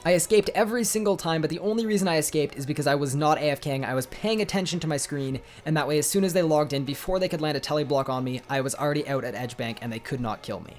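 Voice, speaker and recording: A man's voice: fairly high pitch, fast, hardly any pauses, soft background music. A man hosting a video game guide voice-over, slightly congested, upbeat and chatty with his viewers. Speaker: gaming guide host.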